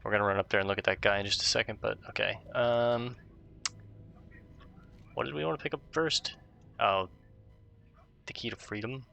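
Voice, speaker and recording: Let's play host, male, laid-back, gravelly low voice with a bright edge. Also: normal speed, long pauses. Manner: laid-back, reads quest text aloud. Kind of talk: casual gaming commentary.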